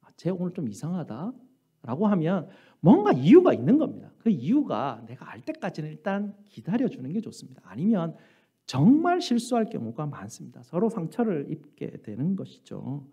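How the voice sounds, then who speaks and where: A male pastor preaches a sermon with an earnest, searching delivery, asking his listeners question after question. His voice is mellow and a little husky, with pitch rising and falling animatedly. It comes through a dull, lo-fi church recording. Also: huge pitch swings, moderate pace. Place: church sanctuary.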